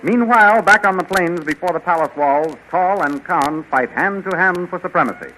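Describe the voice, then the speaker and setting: Bright, high-pitched 1930s radio announcer man. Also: moderate pace, soft background music. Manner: dramatic, declamatory. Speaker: announcer and narrator. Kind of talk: 1930s radio serial narration. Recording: muffled, noisy 1930s radio recording.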